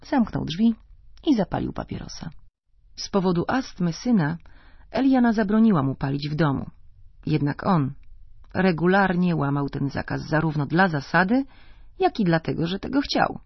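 Creaky, husky audiobook narrator. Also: mid-range voice, moderate pace, dry recording. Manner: calm, even storytelling. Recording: slightly dull, dry recording.

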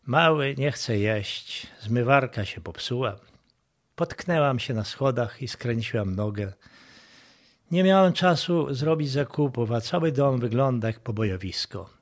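A man's voice: mid-range voice, lively intonation, a little slow, natural voice. A man voicing a harried young mother who complains tearfully about a bad day.

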